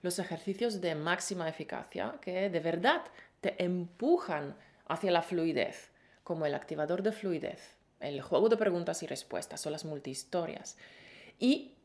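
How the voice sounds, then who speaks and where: A woman's voice: lowish voice, a little mellow. A woman co-hosting a Spanish-learning podcast, teaching in a playful, encouraging way with pet names. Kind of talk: lively scripted lesson.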